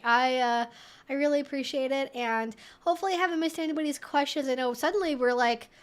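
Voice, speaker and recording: A woman hosting a casual question-and-answer livestream, talking in an animated, emphatic way with conversational asides. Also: high-pitched. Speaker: livestream host.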